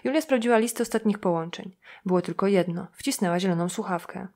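A woman's voice: medium pitch, fast talker, a little mellow. Woman reading an audiobook evenly. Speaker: audiobook narrator. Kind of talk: scripted narration.

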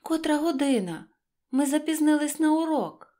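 A woman voicing a naive, excitable young male hare schoolboy in a children's storybook, exclaiming wide-eyed. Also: high-pitched, moderate pace, pitched above the performer's own voice. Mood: alarmed.

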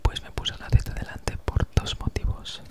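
Whispering Spanish woman right in your ear. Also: normal speed. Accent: Spanish from Spain. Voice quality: breathy unvoiced whisper; noticeable, characteristic S sound. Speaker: ASMR creator. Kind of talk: whispered ASMR, rambling casual chat. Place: small home room, indoors. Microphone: handheld recorder with foam windscreen, very close.

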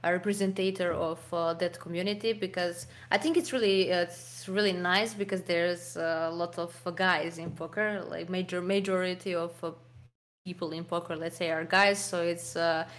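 A woman's voice: lowish voice, fairly even intonation, normal speed. A young woman with a Serbian accent, a poker pro answering interview questions over a video call, with many fillers and restarts. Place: home room, video call. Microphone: desk mic, webcam framing.

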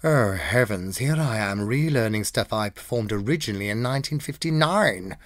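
A man's voice: on the low side, animated, normal speed, no echo, studio quality. A man with a British accent giving a scripted, dramatic reading of diary entries. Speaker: diary reader. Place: dry studio.

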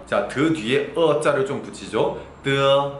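A Korean man teaching Chinese pronunciation in a casual online lesson, drilling syllables slowly one by one. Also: medium pitch, big pitch swings, slight background noise. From South Korea. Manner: slow, drawn-out drilling of syllables, looking at the screen. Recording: echoey room, faint ambience.

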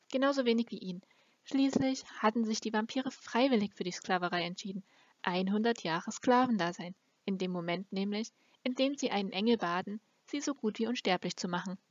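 A woman's voice: mid-range voice, no room sound. A woman reading a fantasy novel aloud as an amateur audiobook narrator. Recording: dull, lo-fi close recording.

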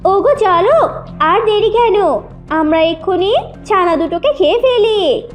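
A woman's voice: extremely high pitch, lively intonation, unhurried, soft background music. A woman voicing a greedy, deceitful female fox in a children's cartoon, theatrical and whining.

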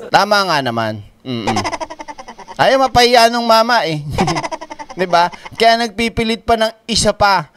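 A high-pitched man hosts a reaction commentary, mocking and laughing between lines. His voice sits well above most men's. Clear hiss and noise run under the recording. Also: expressive, unhurried, long pauses. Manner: mocking, laughs often, swears. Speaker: commentary channel host.

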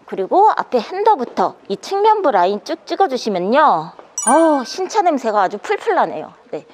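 A woman's voice: high-pitched, sing-song, moderate pace. A young woman presenting a used vehicle in an upbeat, polished salesperson's patter. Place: indoor parking garage, later inside truck cab. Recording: background noise in parking garage.

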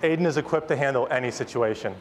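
A man in his thirties, founder of a company, talks fast in a mid-range voice over a noisy crowd while presenting a product keynote from a large conference stage. His delivery is enthusiastic and rehearsed, and the hall adds long reverb along with audience noise.

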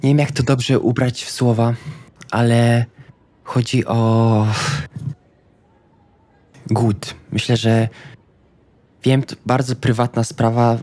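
A man playing a tabletop roleplaying game, speaking casually in character in an earnest, careful, halting way. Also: medium pitch, little pitch movement, a little mellow, dry recording. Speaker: tabletop RPG player.

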